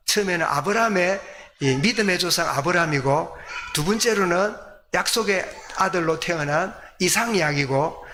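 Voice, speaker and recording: A man delivers a church sermon in a fairly high, forceful, bright voice. He teaches through rhetorical questions that he answers himself. There is noticeable noise behind him. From South Korea. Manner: didactic, asks questions and answers them himself. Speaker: pastor. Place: church service.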